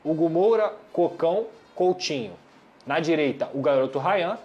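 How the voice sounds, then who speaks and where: A man with a Brazilian Portuguese accent giving an animated, opinionated football analysis in a studio sports debate. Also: on the high side, normal speed, muffled recording. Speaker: sports commentator.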